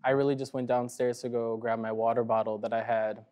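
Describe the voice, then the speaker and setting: A man's voice: medium pitch, level tone, a little fast, darkish tone, dull audio. Hesitant young man, filler-heavy speech. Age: 20s. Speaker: talk show guest.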